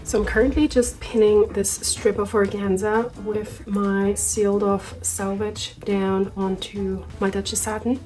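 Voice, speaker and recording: A woman's voice: medium pitch, a little mellow. Chatty woman, sewing vlog. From Austria. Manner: chatty, self-deprecating asides. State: slightly sick voice. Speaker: sewing vlogger. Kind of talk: casual sewing vlog narration.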